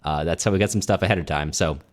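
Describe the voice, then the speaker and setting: Male podcast co-host, low-pitched voice, informal book chat with a wry, wandering delivery. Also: fast. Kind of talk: casual book discussion chat.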